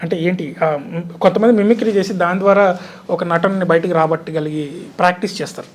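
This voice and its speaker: A male interviewer with a high, quick voice presses his guest with one question after another. Faint background noise sits under the recording. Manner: probing, persistent questioning.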